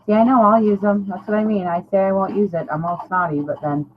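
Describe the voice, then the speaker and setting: She speaks quickly in a medium-pitched, steady voice. A middle-aged woman running a craft vlog, she rambles informally to viewers, poking fun at herself with a slightly salty edge. The sound is dull and lo-fi, with noticeable background noise.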